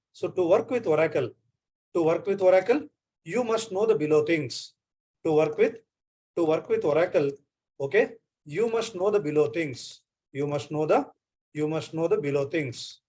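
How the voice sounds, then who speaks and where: Indian male trainer, fairly high voice, repetitive online-class delivery over a laptop mic. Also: darkish tone. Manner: repeats phrases often, checks on students.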